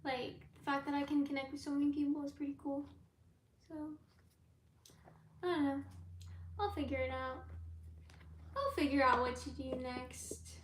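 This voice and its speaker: Woman, tarot reader, live viewer Q&A, laid-back rambling, high voice, echoey room. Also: steady tone, moderate pace, pauses often, noisy background.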